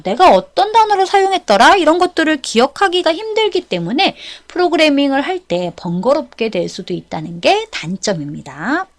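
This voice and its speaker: High-pitched, animated woman lecturer. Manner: instructive, checks in with listeners using short questions. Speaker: instructor of a certification exam course. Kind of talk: explanatory lecture, step by step.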